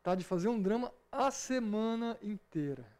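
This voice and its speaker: A man with a Brazilian Portuguese accent explains scripture in a relaxed Bible study. His voice sits high for a man. He talks conversationally and keeps checking in with his audience. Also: normal speed. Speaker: Bible teacher. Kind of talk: informal Bible study lesson.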